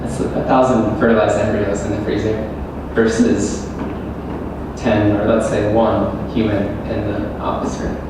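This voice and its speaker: A man's voice: fairly low pitch, level tone, unhurried. Young man, student debater, persistent questioning, distant mic, long hall reverb. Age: young adult. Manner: persistent, presses for direct answers. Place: large echoey university hall. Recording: echoey hall, distant mic, room noise.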